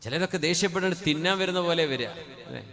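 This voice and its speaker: A man preaching a sermon into a microphone. He moves between quiet conversational asides and loud, drawn-out chanted passages. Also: a little high, creaky. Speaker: Islamic preacher.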